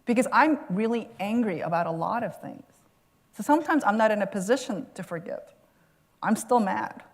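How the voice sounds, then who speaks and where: A woman author answering an audience question at a lecture, earnest and reflective, laughing now and then. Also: mid-range voice. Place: lecture hall.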